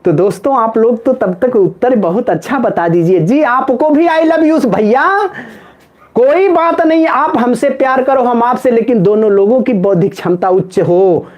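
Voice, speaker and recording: A man's voice: extremely high pitch, normal speed, dull audio. A man teaching Sanskrit in a live online exam-prep class, chanting word forms in a sing-song rhythm and joking with viewers in the chat. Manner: playful, banters with viewers in chat.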